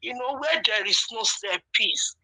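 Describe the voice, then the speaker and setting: A woman's voice: a little high, animated, unhurried, pushed and bright, slight background noise, rough recording. A woman with a southern Nigerian accent calling a talk show to give an earnest political opinion. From Delta State, Nigeria.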